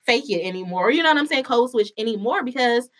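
A woman's voice: fairly high pitch, animated, fast talker. A woman with an African American accent in a casual, candid chat, speaking informally and swearing freely.

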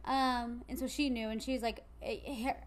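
Casual, slangy woman with a higher voice. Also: steady tone, normal speed, slight background noise. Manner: casual, slangy, swears freely. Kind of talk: casual conversation.

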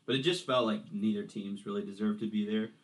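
A man co-hosting a podcast in casual chat, animated, swearing and laughing often. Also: fairly low pitch, fast, low-quality recording. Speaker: podcast co-host.

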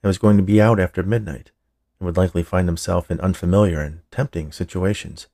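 Male storyteller for a fiction podcast: deep, fry-edged voice, measured scripted narration. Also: fairly even intonation, dark tone. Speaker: writer, narrator and podcast producer.

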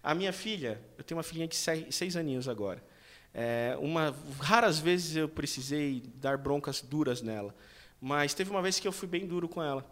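A man's voice: fairly high pitch, lively intonation, moderate pace, a bit bright. A Brazilian man in his thirties in a casual faith discussion, telling emotional personal stories. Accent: Brazilian Portuguese. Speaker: panelist.

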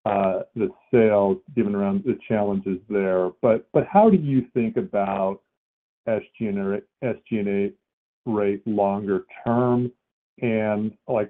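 A man asking questions as a financial analyst on an earnings call, halting as he thinks aloud. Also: fairly low pitch. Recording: band-limited phone line.

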